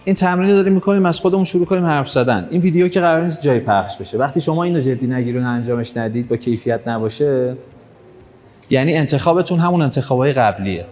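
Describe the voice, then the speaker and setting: A man's voice: medium pitch, a little mellow, big-room sound, faint music behind. A man leading a live workshop, talking directly to the audience and urging them on. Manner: direct, coaxing, urges the audience on. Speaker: workshop trainer. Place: hall with an audience.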